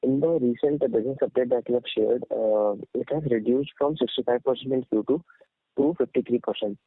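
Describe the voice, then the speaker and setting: A man's voice: medium pitch, fairly quick, dry recording. A male caller asking company management questions on a conference call in a polite, direct way. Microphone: phone call. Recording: dry narrow phone line.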